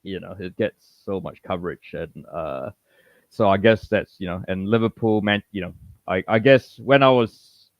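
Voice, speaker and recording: A man from Malaysia with a low voice, heard over a dull, lo-fi and dry connection. He hosts a casual chat, rambling in lively bursts, restarting his sentences and leaning on you-know again and again. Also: moderate pace, dry recording. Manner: rambling, animated, many you-knows and restarts. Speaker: podcast host.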